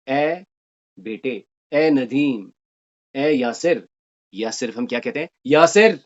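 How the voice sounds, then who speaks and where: A man teaches a Quranic Arabic grammar lesson at an ordinary mid pitch. He draws out each verse slowly, then moves through his explanation at a brisk clip. The recording sounds dull and lo-fi.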